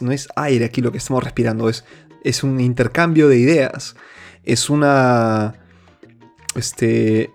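A man's voice: on the high side, a little mellow. A man from Peru hosting his own opinion show, speaking earnestly with many restarts and fillers. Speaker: host. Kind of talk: opinion monologue.

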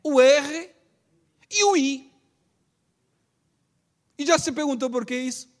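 A man's voice: very high-pitched, takes it slowly. A pastor preaching to his congregation in a teaching manner, checking in with short tag questions and having them repeat after him. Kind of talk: sermon.

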